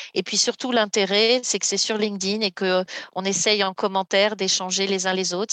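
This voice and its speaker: A woman talks at a moderate pace with a plain, everyday voice, medium pitch and fairly even intonation. The sound is dry and close with no echo, over a quiet background. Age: 50s. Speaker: public speaker and job-search trainer. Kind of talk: podcast interview.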